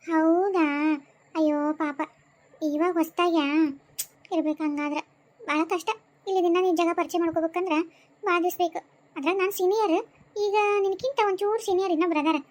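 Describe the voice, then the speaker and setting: Touchy senior woman ghost, squeaky high voice, North Karnataka Kannada accent, acted by a woman. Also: steady tone, a little fast, pauses often, darkish tone. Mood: chatty. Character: bossy senior female ghost, proud and touchy. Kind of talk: cartoon voice acting.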